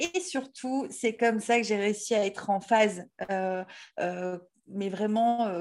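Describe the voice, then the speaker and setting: Very slow female speech, fairly high in pitch and ordinary in its pitch variation. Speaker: life coach. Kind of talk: casual interview. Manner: animated.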